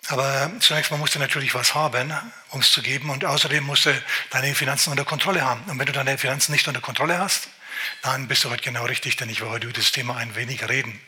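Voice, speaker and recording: A male pastor preaching a sermon, lively and addressing the listener directly with questions. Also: medium pitch, fast talker. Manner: lively, exclaiming, talks straight to the listener.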